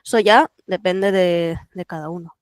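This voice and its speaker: A speaker whose first language is Catalan, talking as a translator guest on a podcast in a thoughtful, explanatory way with frequent fillers. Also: female voice, lowish voice, normal speed, no room sound. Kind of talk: relaxed podcast interview.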